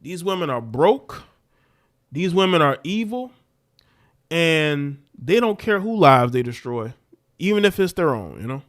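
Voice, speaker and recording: A man's voice: fairly high pitch, big pitch swings, a little slow. A man hosting a livestream, reacting to clips with blunt, ranting, scornful commentary.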